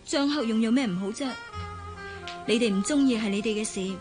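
An actress playing a spirited, romantic young woman student with a Hong Kong Cantonese accent in a radio drama, talking in a lively, sometimes sulky way. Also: a little high, brisk, close to an everyday voice. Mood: daydreaming. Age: young adult. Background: background music.

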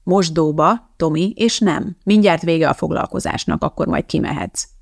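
A woman's voice: low voice, vocal fry. A woman voicing a strict, irritable schoolteacher who scolds her class in an audiobook. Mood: stern. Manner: scolding, bossy.

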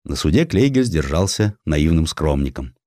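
Male narrator for historical prose: lowish voice, very varied delivery, wry and theatrical, close dry studio sound. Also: sing-song, normal speed, darkish tone, no room sound. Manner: wry, theatrical storytelling with acted quotes. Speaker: audiobook narrator. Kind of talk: expressive dramatized narration of historical sketches.

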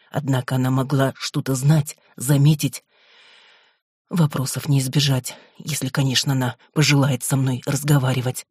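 A man narrating a first-person audiobook in a measured, brooding way. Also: medium pitch, mellow, husky, no room sound, clean studio sound.

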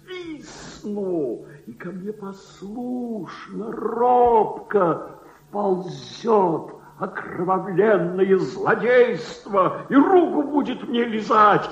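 An actor playing an old, proud, greedy miser baron who gloats over his gold, declaiming verse grandly with dramatic pauses in a theatrical radio drama. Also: high voice, exaggerated voice. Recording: dull, echoey old radio play recording.

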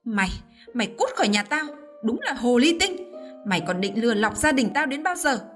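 A woman voicing an angry older mother-in-law who scolds harshly and fast. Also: a little high, sing-song, music in the background. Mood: furious. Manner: rapid shouted scolding.

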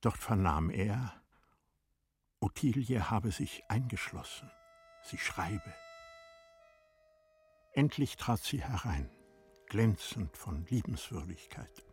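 A man narrating a literary radio play in a measured, deliberate manner, letting phrase endings drop to a hush. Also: fairly low pitch, expressive, soft background music.

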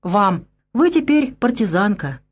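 A woman voicing a skinny teenage boy partisan, shy but bursting with excitement and pride. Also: mid-range voice, a little slow. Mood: excited proud. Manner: excited, proud, tumbling out.

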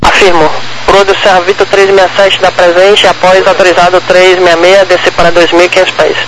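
A man's voice: high-pitched, monotone, a little fast. A Brazilian man working as an air traffic controller, giving procedural instructions over a walkie-talkie style radio. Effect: radio transmission.

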